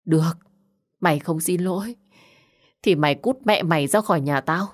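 Woman doing angry mom yelling at her daughter, shrill, storybook audio, lowish voice. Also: moderate pace. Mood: furious. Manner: shrill shouting, insulting. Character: harsh scolding middle-aged mother, quick-tempered.

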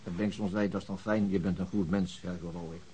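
An actor playing a weary, middle-aged chief inspector in a radio drama, gruff and dry, with hesitant, understated speech. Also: male voice, sits low, fairly even intonation, fast, dark tone, natural voice. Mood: wry recounting. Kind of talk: naturalistic radio drama acting.

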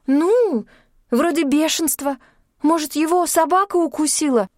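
A woman voicing a distraught, tearful young woman who wails and sobs between excited outbursts. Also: high voice, unhurried, no echo, studio quality, voice pushed up. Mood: agitated. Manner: wailing, sobbing outbursts.

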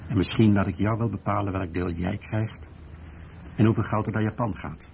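Deep-voiced, sober male researcher. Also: steady tone, normal speed, creaky, a little mellow. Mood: earnest. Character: male researcher and author, sober, recalling his last meeting. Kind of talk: scripted first-person narration in a radio documentary drama. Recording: muffled radio recording with background noise.

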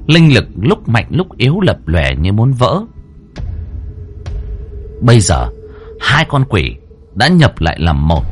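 A man narrating a horror story dramatically. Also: lowish voice.

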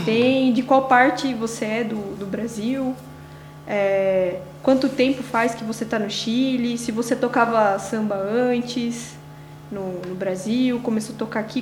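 Young woman, student interviewer, hesitant with many fillers, slightly high voice, roomy echo. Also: darkish tone, slight background noise. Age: young adult. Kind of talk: casual interview questions.

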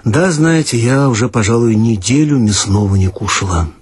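A man's voice: mid-range voice, moderate pace, a little mellow, slightly rough, no echo, close to an everyday voice. A man voicing a young, mannered duchess who complains about being short of money. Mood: complaining. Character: young impoverished duchess, mannered, self-pitying. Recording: archival radio recording with guitar music.

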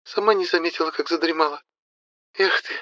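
A man's voice: a little high, a little fast, no echo, highs cut off, pitched above the performer's own voice. A man doing a sleepy, hopeless young wife. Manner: drowsy, hopeless, soft.

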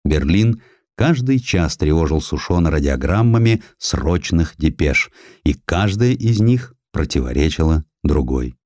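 A man reading historical prose as a dramatic audiobook narrator, with expressive, theatrical storytelling. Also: very deep voice, unhurried, dry recording, studio quality.

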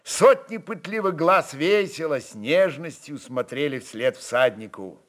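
A man narrating a literary story in an expressive, dramatized reading style. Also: fairly high pitch, a little slow.

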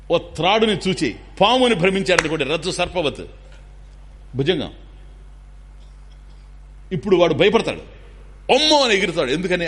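A man giving a spiritual discourse, animated and acting out little dialogues while explaining terms. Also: a little high, husky. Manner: animated, acts out dialogues, mixes in English terms. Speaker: spiritual teacher.

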